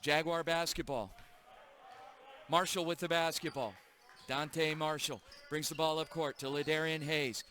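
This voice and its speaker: High pitched guy doing play by play at a school game, bright sharp voice, brisk. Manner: brisk, energetic call of the action. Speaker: play-by-play announcer. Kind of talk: live high school basketball commentary.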